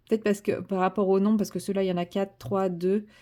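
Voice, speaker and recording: A woman's voice: medium pitch, little pitch movement, moderate pace, mellow. A woman vlogging casually from home, chatty and hesitant with many fillers and self-corrections, turning enthusiastic as she shows a craft kit. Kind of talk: casual vlog chat.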